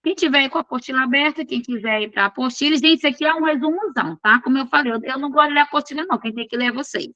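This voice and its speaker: Bright, high-voiced woman teaching. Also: very fast, hardly any pauses, dry recording, highs cut off. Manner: chatty and informal, with frequent checks on the students. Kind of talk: online class lecture.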